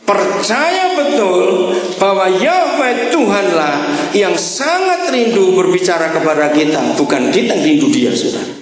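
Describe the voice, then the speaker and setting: A man preaching a lively sermon, questioning the congregation and acting out voices. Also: high-pitched. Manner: animated, asks the congregation questions, acts out voices. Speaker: pastor. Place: large church hall with congregation. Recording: very echoey hall with crowd.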